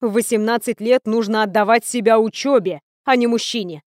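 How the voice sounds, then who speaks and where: A woman's voice: a little high, fairly quick, no room sound, clean studio sound, natural voice. A woman voicing a stern female commander of a magic academy who speaks firmly and with authority. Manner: firm, commanding.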